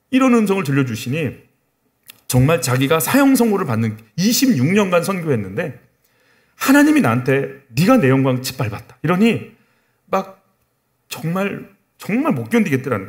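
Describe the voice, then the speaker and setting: A man preaching a Korean sermon, telling stories and acting out the quoted dialogue. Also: fairly high pitch. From South Korea. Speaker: pastor.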